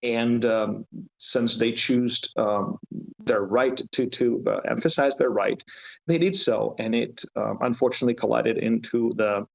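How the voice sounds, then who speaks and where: A man with a Ukrainian accent, a pastor, answering interview questions haltingly, often restarting as he searches for words. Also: mid-range voice, steady tone, vocal fry, poor audio.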